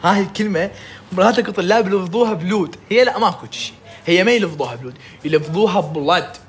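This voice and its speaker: A man with an Iraqi Arabic accent giving a recorded medical lecture, lively and jokey, often checking in with his students. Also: sits high, rapid-fire, a little hiss or hum.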